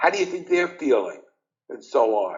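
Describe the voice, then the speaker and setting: A man speaks with a New York accent. His pitch varies in an ordinary way. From New York, Long Island. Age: 70s. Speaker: psychologist. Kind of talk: interview.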